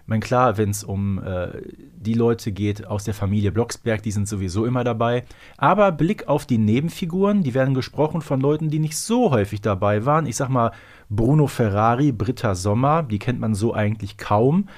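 A man's voice: medium pitch, normal speed. Male podcast co-host, mid-range voice, conversational, detailed explainer. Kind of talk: casual podcast discussion.

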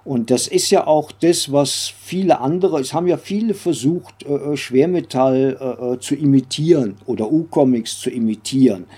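Interview guest: older male, mellow, husky voice, halting conversational recall with frequent tag questions. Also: medium pitch. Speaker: interview guest, former comics publisher and editor.

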